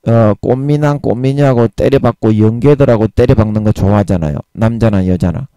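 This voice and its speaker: A man preaching a Bible sermon in a blunt, emphatic way, using coarse everyday words and drawing out key phrases slowly. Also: mid-range voice, mellow, clean tone, no room sound. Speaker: evangelist preaching.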